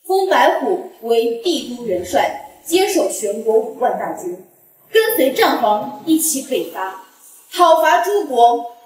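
A regal, commanding empress proclaims formally in a screen drama. The high, lively voice comes from some distance in a very echoey room. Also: female voice, a little hiss or hum. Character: regal, authoritative reigning empress.

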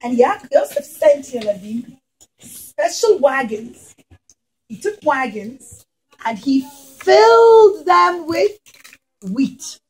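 A middle-aged woman telling a story to young children in a classroom, explaining simply and deliberately. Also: high-pitched, poor audio. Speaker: children's teacher telling a Bible story with puppets. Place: small classroom, indoors.

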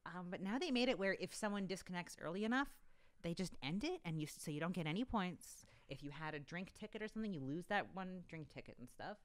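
A young adult woman co-hosting a podcast at home, talking in a rambling, animated way full of fillers, close to a desk mic. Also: lowish voice, quick pace. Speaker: podcast co-host. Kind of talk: casual chat. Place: home studio room with bookshelves. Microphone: desk broadcast mic on boom arm.

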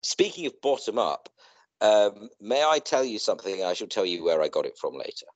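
A middle-aged man with a fairly low voice talks casually on a video call. He rambles and halts, circling back over his own phrases, and the sound is close and dry with little room in it. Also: animated, brisk, dry recording, rough recording. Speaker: co-host in a two-person online chat.

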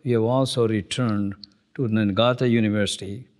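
An older man asking interview questions in a calm, measured way. His voice sits a little low. He is recorded indoors on a studio set. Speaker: interviewer, physiologist colleague. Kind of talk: oral history interview.

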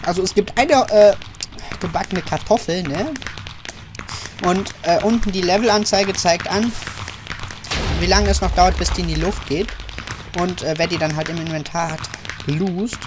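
A woman casually commenting on a multiplayer game, excitable, squealing and laughing as she plays. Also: fairly low pitch, normal speed, long pauses, noisy background. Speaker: let's play co-host.

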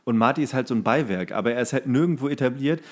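Male podcast host, mid-pitched, casual and rambling, halting delivery. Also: animated. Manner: rambling, halting, searching for words. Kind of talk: casual film chat.

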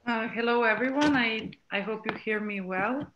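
A woman around thirty with a Serbian accent, giving semi-prepared panel remarks on a video call in a halting way, often repeating words. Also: on the high side, highs cut off, background noise. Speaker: panelist introducing herself. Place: small plain room, video call.

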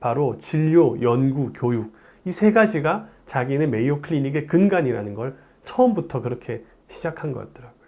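A man's voice: medium pitch, normal speed. A man in his forties, a urologist, talking to camera in a chatty storytelling way in a plain studio on a lapel mic. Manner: animated, gesturing hands, chatty storytelling. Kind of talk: explanatory talk to camera.

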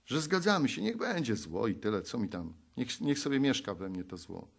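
A man from Poland preaching a sermon, pleading and exhorting, moving between loud appeals and hushed low passages, and reading scripture aloud. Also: sing-song, normal speed, gravelly, breathy edge.

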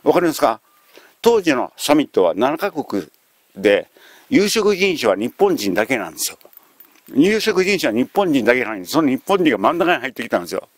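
A man telling a history lesson as a lively story, acting out the quotes along the way. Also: medium pitch, brisk, no room sound. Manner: animated, acts out quotes. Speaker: history lecturer.

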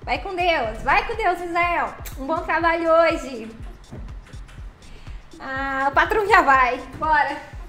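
A woman's voice: high-pitched, animated, slow pace, pauses often, bright, forceful tone. A woman hosting a casual live stream, greeting viewers by name with pet names and chatty affection. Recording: roomy echo with faint background music.

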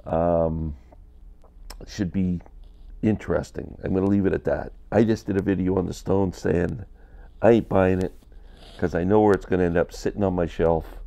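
Low, mellow-toned man in his fifties, congested with a cold, candid basement vlogger on an earbud mic. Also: steady tone, normal speed, vocal fry. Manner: chatty, candid, gestures a lot with hands. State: stuffy from a cold. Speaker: vinyl collector vlogger. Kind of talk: casual rambling vlog. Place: basement room, indoors, small.

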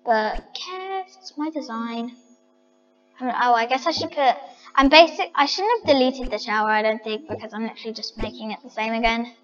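A woman's voice: fairly high pitch, normal speed, fairly bright tone, long reverb tail, highs cut off, a little hiss or hum. A woman chatting to her viewers as she decorates a house in a game, thinking aloud. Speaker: vlogger. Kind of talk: casual game commentary.

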